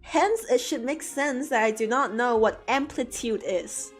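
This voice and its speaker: A woman's voice: a little high, unhurried, soft background music. A woman chatting casually with her livestream audience, talkative and given to mock-dramatic outbursts. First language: English. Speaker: art streamer answering chat.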